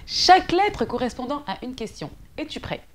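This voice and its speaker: A woman hosting a playful interview, her pitch leaping around as she laughs and gushes over the guest's answers. She keeps the questions moving with bright enthusiasm. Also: big pitch swings, moderate pace. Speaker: interview host.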